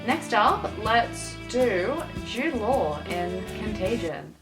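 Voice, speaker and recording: A woman's voice: medium pitch, takes it slowly. Sarcastic young Australian woman. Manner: sarcastic, animated, judgemental. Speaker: youtuber. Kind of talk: casual commentary. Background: background music.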